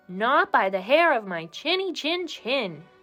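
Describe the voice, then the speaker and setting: A woman puts on a character voice, high-pitched with very wide pitch swings, at a fairly slow pace. Faint music plays in the background. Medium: read story. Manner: calm, knowing.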